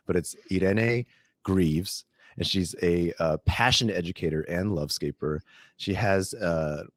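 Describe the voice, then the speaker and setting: A podcast host with a very low voice talks in a relaxed, chatty way during an interview, often pausing on fillers and restarting sentences. He's close to the mic in a dry, dead room with no echo.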